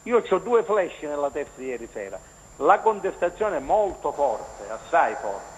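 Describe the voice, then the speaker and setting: A male journalist phones in to a TV sports show, his fairly high voice swinging widely in pitch at normal speed over an echoey, hissing phone line. His casual commentary rambles, full of restarts and fillers.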